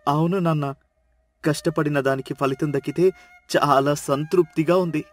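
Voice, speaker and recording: A man's voice: a little high, steady tone, normal speed, soft background music, lightly acted. A man voicing an earnest young farmer son. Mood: satisfied. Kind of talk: storybook character dialogue.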